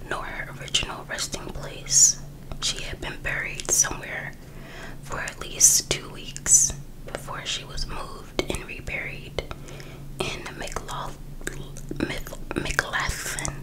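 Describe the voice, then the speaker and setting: A woman with an American accent whispering breathily as she reads a book aloud in ASMR style, with casual asides. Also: rough recording. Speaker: ASMR host reading a true crime book aloud.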